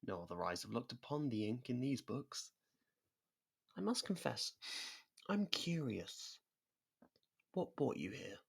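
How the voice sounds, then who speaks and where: A performer voicing a sadistic, centuries-old vampire in an ASMR roleplay, theatrical and mocking, slipping into slow whispers. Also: mid-range voice, big pitch swings, vocal fry, slightly rough, voice pushed up, heavily acted. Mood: smug, curious.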